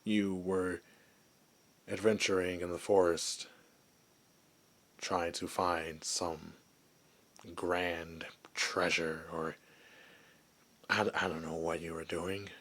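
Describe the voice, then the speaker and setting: A man playing a very low, slow-talking gentle werewolf. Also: flat delivery, exaggerated voice. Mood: reflective, warning. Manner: soft, hesitant, confiding, with halting pauses. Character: gentle, lonely male werewolf, former human, wistful outcast. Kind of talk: ASMR audio roleplay.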